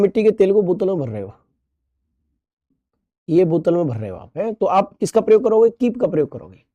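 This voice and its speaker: High-pitched guy teaching a recorded class, jokey, keeps asking questions and repeating stuff, super dry sound. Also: warm tone, no echo. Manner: playful, repeats key terms, asks rhetorical questions. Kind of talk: recorded online class lecture.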